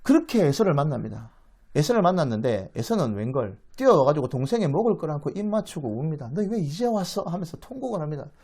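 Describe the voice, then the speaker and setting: Guy teaching a bible class like a story, acts out the lines, lots of ups and downs, kind of high voice. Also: fast, husky. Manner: animated, acts out the quoted speech, asks the audience questions. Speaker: Bible lecturer. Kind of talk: dramatic storytelling lecture.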